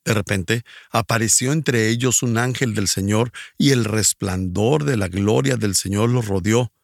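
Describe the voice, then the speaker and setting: A man's voice: fairly low pitch, a little slow, vocal fry, no echo, studio quality. A man preaching a recorded sermon in Spanish, earnest and asking listeners direct questions.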